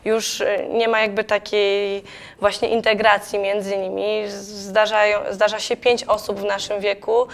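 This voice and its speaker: A woman's voice: medium pitch, flat delivery, unhurried. A young woman in her twenties, a guest in a TV studio, chatting casually about trips. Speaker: guest, student trip organizer.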